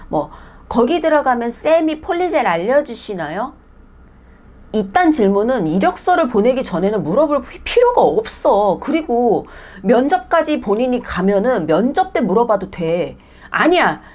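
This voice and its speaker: Nail salon owner, woman, blunt and fed up, slightly high voice that swings widely, casual vlog talk. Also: a little mellow. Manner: blunt, exasperated ranting; switches between polite and plain speech.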